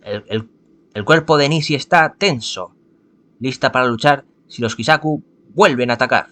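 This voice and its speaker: A sharp-toned, mid-range voice reads a visual novel at a moderate pace, carrying a Spanish accent from Spain. The man stumbles, corrects himself regularly, and slips in asides.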